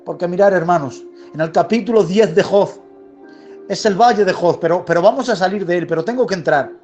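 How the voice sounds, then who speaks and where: High-voiced preacher. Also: male voice, brisk, highs cut off, soft background music. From Spain. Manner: emphatic, repetitive phrasing, dropping to a hushed tone. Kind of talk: sermon.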